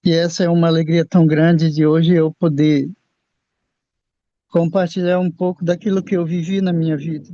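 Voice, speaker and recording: A man in his sixties from Brazil, telling his own faith testimony in a halting way, often repeating and restarting his words. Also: on the high side, little pitch movement, mellow, no room sound. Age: 60s. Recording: dull lo-fi sound.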